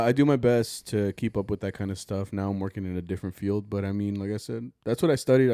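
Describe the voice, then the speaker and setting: A man's voice: lowish voice, mellow, no room sound, studio quality. A young man co-hosting a podcast, chatting easygoing and talkative, rambling with fillers. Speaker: podcast co-host. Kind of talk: casual podcast chat.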